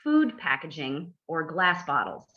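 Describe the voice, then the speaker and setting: Bright, teasing woman quizzing her co-host. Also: low-pitched, sing-song, a little slow, dull audio. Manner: dry, teasing humor. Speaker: podcast host, environmental attorney. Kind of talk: casual podcast chat, quiz host.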